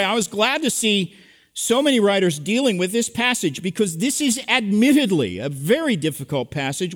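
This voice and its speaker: A man preaching an expository sermon to a congregation, earnest and emphatic as he teaches. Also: high-pitched. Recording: echoey hall with long reverb.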